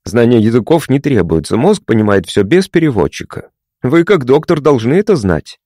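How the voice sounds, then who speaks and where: A man voicing a touchy young male patient who talks matter-of-factly and takes offence quickly. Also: mid-range voice, sing-song, mellow, no room sound, studio quality. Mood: explaining.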